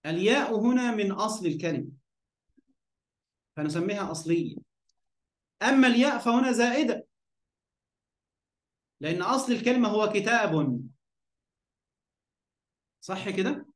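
A man's voice: high voice, animated, moderate pace, long pauses, echoey room. A man with an Egyptian accent teaching Arabic grammar in an online lesson. He poses questions, answers them himself, and keeps checking that his students follow.

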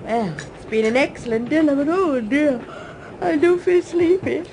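An actress playing an inquisitive, affectionate detective's wife in a radio drama. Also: female voice, sits high, expressive, normal speed, noisy background. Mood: warm, sleepy.

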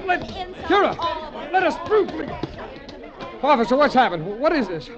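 An actor playing an earnest, anxious younger doctor in a 1940s radio drama, hesitant and urgent. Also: male voice, extremely high pitch, very animated, moderate pace, music in the background. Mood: alarmed, urgent. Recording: dull old radio recording, crowd noise.

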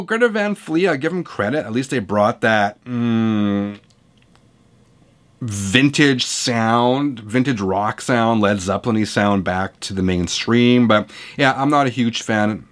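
A man in his forties with a voice hoarse from a cold, hosting a vinyl channel and chatting opinionatedly through viewer comments from his home record room. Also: lowish voice, lively intonation, takes it slowly. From Canada. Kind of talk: casual reading of viewer comments. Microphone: camera close up at desk.

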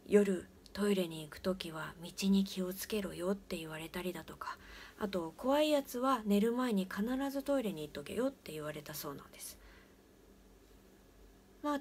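A woman telling a ghost story in a hushed, often whispered voice. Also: medium pitch, gravelly, a little hiss or hum.

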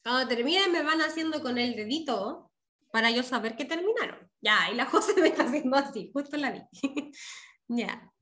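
Woman, Chilean accent, primary teacher on a video call, high voice, patient and affectionate. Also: expressive, moderate pace, a bit bright. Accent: Chilean Spanish. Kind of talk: online class teaching.

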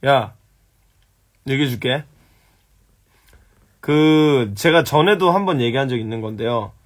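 A man's voice: medium pitch, lively intonation, a little slow. A young man hosting a casual live stream, answering viewer questions bluntly, teasing and swearing at them. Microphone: phone.

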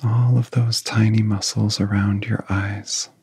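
A man speaks in a soft, very breathy voice that often slips into a whisper. His pitch is on the low side and barely moves. He guides relaxation in a gentle ASMR style, close and dry on the microphone, leaving long pauses between soothing phrases. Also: little pitch movement, no room sound.

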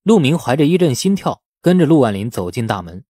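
A man's voice: medium pitch, sing-song, brisk, warm tone, no room sound, clean studio sound. A man narrating a novel as a scripted audiobook in a storytelling style.

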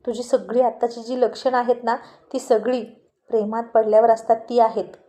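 A woman's voice: on the high side, flat delivery, normal speed, mellow, close to an everyday voice. A woman voicing a confident, teasing young female friend. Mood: knowing. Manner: teasing, knowing.

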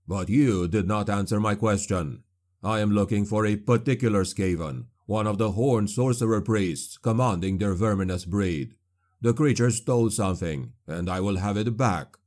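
A man voicing a grim male witch hunter who speaks in a cold, venomous, measured way. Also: on the low side, a little mellow, natural voice. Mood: stern.

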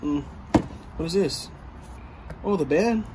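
A man's voice: a little high, noisy background. A man in his thirties, casually joking and exclaiming as he digs through a storage unit. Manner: excited, joking, quick exclamations. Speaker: vlogger. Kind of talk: casual unboxing chat.

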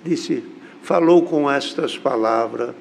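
An older man with a Brazilian Portuguese accent preaching a sermon from a church pulpit into a stand mic, slow and deliberate with emphatic rises. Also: mid-range voice, creaky, slight background noise.

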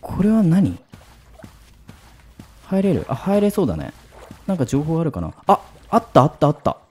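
A man's voice: a little high, huge pitch swings, normal speed, darkish tone, a little hiss or hum. A man giving casual horror game commentary, thinking aloud and asking himself questions. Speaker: gaming commentator.

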